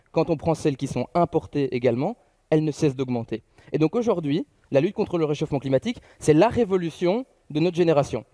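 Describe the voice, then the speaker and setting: Fast-talking young man, mellow. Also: fairly high pitch, dry recording. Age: young adult. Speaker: political youth-wing leader, debate panelist. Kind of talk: political debate speech.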